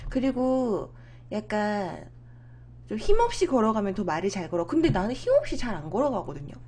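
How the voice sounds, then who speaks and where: A woman's voice: mid-range voice, very animated, fairly quick, dark tone, slight background noise. A woman streaming host telling a story in casual chat, acting out the dialogue and laughing often.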